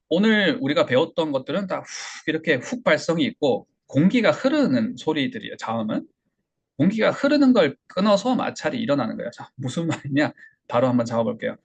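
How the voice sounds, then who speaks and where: Male English pronunciation tutor, Korean accent, gravelly husky voice, drills example words aloud. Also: mid-range voice. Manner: demonstrates sounds, repeats example words, rhetorical questions. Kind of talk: online English lesson.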